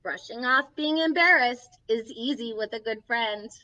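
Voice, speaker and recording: High, bright Snow White, played by a woman. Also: measured pace. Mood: warm, encouraging. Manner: sing-song, simple reassuring talk to young children. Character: Snow White, sweet young princess, gentle and encouraging. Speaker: children's story time host. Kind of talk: children's storytelling, reading a picture book aloud. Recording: distant mic, slightly dull lo-fi sound.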